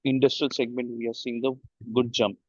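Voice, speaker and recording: A man with an Indian accent politely asking questions as an analyst on a conference call, with halting phrasing. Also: medium pitch, flat delivery, a little mellow, no room sound. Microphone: conference call line. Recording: dry, dull conference-call line.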